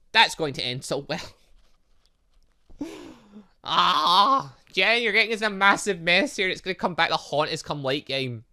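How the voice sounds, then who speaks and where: Male let's-player: bright, punchy, very lively intonation, exclaims at the game as he plays. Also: on the high side. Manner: exclamatory, talks to the game's characters. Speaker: gaming video host. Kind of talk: lively let's-play commentary, reading game dialogue aloud.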